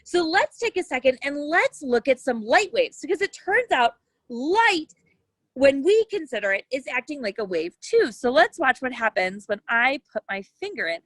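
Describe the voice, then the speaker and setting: A woman's voice: sits high, big pitch swings, normal speed, dry recording. A woman science educator presenting a lesson for young children, explaining things in simple terms as she reads and demonstrates.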